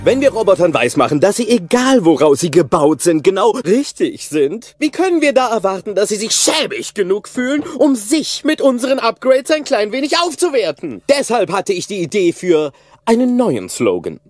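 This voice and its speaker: A man's voice: sits high, big pitch swings, normal speed, soft background music. An actor playing an arrogant, ruthless male robot company boss in a children's audio play, smug and scornful. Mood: smug, hyped.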